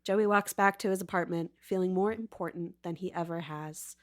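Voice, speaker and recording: A woman with a fairly low voice, speaking at normal speed, narrates a comic audio drama in a playful, mock-dramatic style. She's a podcast host and narrator delivering scripted storybook narration.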